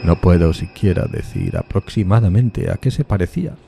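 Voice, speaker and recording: Deep-voiced anguished gothic horror narrator, played by a man. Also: animated, gravelly, dark tone, soft background music. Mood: revolted, awed. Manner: solemn, anguished, theatrical, drawn-out emphatic words. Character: lonely, horrified undead male outcast telling his tale.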